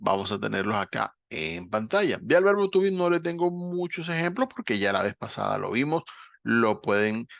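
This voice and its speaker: A man's voice: medium pitch, very animated, normal speed, creaky, fairly bright tone, no room sound. A man teaching an English grammar class, explaining patiently and checking in with his students. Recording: dull, dry lo-fi recording.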